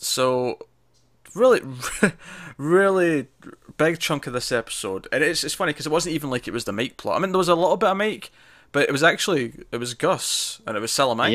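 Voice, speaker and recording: With a Scottish accent, a man speaks at a fairly quick pace, his pitch fairly high and his intonation lively, with long, frequent pauses. The recording is very clean, the background silent. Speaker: podcast host.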